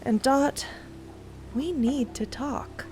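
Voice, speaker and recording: A woman's voice: high-pitched, drawn-out words, background noise, pitched above the performer's own voice. A woman playing an exasperated, intense female space explorer in an audio drama, blunt and emphatic. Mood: frank, hesitant.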